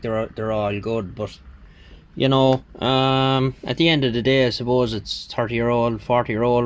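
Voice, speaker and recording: Middle-aged hobbyist man, mid-pitched, rambling and plain-spoken, faint hiss behind him at the workbench. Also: a bit bright. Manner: rambling, full of ums and you-knows, plain-spoken. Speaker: radio hobbyist channel host. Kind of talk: casual hands-on demonstration.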